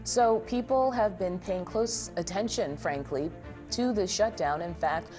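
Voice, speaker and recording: A woman anchors a live TV news interview. Her voice sits a little low, and music plays clearly behind her as she introduces guests and puts questions. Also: measured pace, a little mellow.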